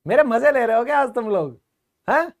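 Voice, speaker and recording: A male teacher giving an online grammar class, chatty and constantly checking with his students through quick questions. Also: very high voice, expressive.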